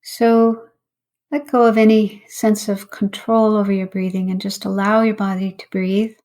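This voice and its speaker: A woman, a meditation teacher, leading a guided meditation in an unhurried, instructional way with long pauses. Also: medium pitch, little pitch movement, darkish tone.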